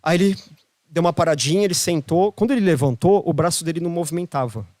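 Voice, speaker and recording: A man's voice: fairly high pitch, quick pace, a little mellow, no echo. A man with a Brazilian Portuguese accent, a podcast guest telling a story in casual chat, emphatic and repeating phrases for emphasis. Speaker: podcast guest, holistic therapist.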